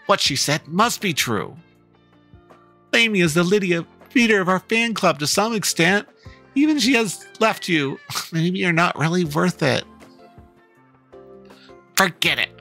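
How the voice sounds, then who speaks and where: Man playing a high, whiny fan-club girl, dramatic. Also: lively intonation, measured pace, vocal fry, long pauses, sharp tone, soft background music, heavily acted. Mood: sulky. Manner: plaintive, dramatic complaining. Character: sulky young women of a fan club.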